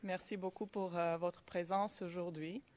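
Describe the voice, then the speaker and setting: A woman lawyer speaks courteously to a witness in court, with her voice set slightly low. She talks in a second language, so she hesitates often and fills pauses as she goes. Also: steady tone, a little mellow. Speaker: prosecution lawyer. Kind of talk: courtroom questioning.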